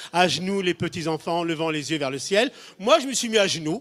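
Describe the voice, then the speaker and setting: A man speaks at a moderate pace with a high pitch, lively intonation and an animated tone, on a very clean, silent-background recording that sounds dry and close with no echo. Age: 60s. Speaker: preacher. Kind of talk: sermon.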